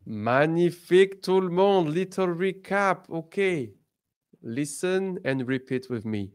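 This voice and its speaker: A male teacher leads a beginner lesson. He speaks very slowly, giving each word room. His pitch swings up and down with lively emphasis. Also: clear, resonant tone. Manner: slow, deliberate, lively, switches between English and French. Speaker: French teacher.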